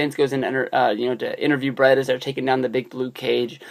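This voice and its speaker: This man talks at a fairly high pitch. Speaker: YouTuber, wrestling fan vlogger. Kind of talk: casual vlog monologue. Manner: fast, hyper when fired up; animated.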